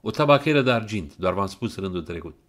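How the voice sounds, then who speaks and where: A man's voice: on the low side, expressive, fairly bright tone. A man voicing a pale, nervous young man who stammers in an audiobook. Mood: snapping. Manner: stammering, voice cracking, then snapping.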